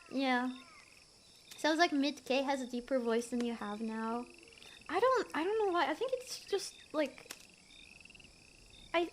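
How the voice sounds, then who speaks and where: A woman's voice: high-pitched, a little hiss or hum. A young woman streamer, not a native English speaker, chatting casually with her chat, giggly and rambling with fillers. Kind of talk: casual chat reading chat messages.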